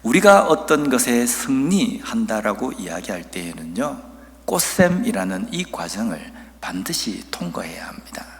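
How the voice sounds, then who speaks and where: A man from Busan, South Korea, with a Busan accent, preaching a sermon as a pastor, telling stories earnestly and reading scripture slowly and emphatically. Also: fairly low pitch, sing-song, in a large hall. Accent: Busan dialect.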